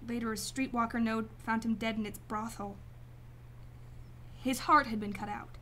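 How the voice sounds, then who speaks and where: Woman acting as a high-voiced, determined client. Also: fairly even intonation, moderate pace, bright, forceful tone, slight background noise. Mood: grave. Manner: earnest, firm, formal. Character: determined, guarded female client seeking her brother's killer. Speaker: actress in a radio play. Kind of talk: sci-fi radio drama acting.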